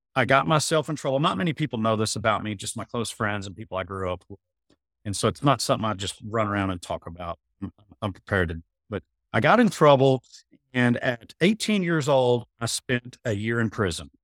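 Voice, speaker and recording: Here a man talks at a fairly quick pace with medium pitch, lively intonation and a plain, everyday voice, recorded dry and close with no echo on a very clean recording with a silent background. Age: 40s. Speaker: business executive. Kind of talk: casual chat.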